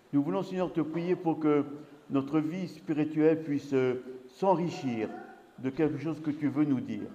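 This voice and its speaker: A man leading an earnest, measured prayer in a church service. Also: a little high, warm tone. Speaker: church leader praying. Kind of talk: spoken prayer. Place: church hall. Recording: muffled church hall reverb.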